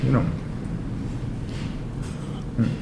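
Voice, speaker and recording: Icelandic guy chatting over lunch, laughs a lot, restarts sentences, roomy restaurant with noise behind. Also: very slow. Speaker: photographer and writer, podcast guest. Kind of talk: casual conversation over lunch. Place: restaurant table. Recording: echoey restaurant with background noise.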